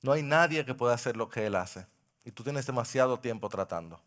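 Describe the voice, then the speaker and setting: A male pastor preaches a sermon into a microphone with real passion, swinging from loud cries to hushed pleading. His pitch is medium, and his delivery is animated and brisk.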